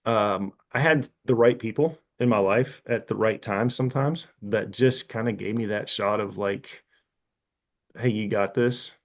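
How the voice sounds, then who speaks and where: A man in his fifties with a somewhat low voice speaks as a podcast guest. He is candid and loose, circling his point with asides and self-corrections. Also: a little slow. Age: 50s. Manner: frank, rambling, candid. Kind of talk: casual interview talk.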